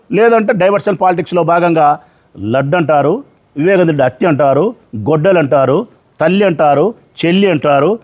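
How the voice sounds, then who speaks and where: A man's voice: on the high side, a little mellow, highs cut off. A middle-aged man, a politician giving a combative press statement full of rhetorical questions.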